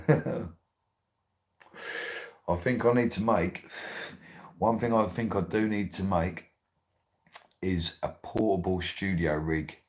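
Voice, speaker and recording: Low-voiced excitable man. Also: slow pace, long pauses. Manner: excitable, rambling, laughs often, swears. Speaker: radio host. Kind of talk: casual monologue.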